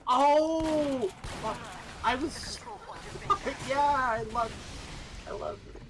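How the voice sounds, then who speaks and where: A gamer in casual voice chat, excitable and gushing, laughing often. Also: high-pitched, very slow, noisy background. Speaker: gamer chatting while playing.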